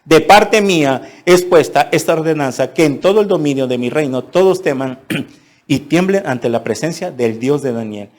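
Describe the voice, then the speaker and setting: A man preaches a sermon, his voice sitting fairly high. He reads scripture and then retells it dramatically in everyday speech, slipping into the characters. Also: a little mellow. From Mexico. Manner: dramatic, acts out the king and Daniel in voices; reads scripture aloud then explains it plainly. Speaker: pastor.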